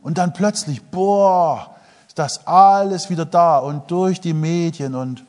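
A man's voice: on the high side, slow. German preacher man in a reverberant hall. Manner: lively preaching, swings between quiet asides and loud emphasis; jokes with the congregation, asks them questions. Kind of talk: sermon.

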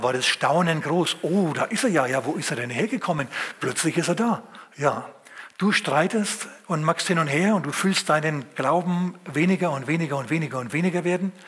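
A man with a fairly high, husky voice preaches a sermon. He retells a scripture story with vivid storytelling, lively sound words and dramatic pauses.

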